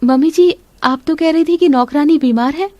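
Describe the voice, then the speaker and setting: A woman voicing a patient young daughter-in-law in an animated story, talking in a polite, earnest way. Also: high voice, normal speed, slight background noise, pitched above the performer's own voice, lightly acted. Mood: upset.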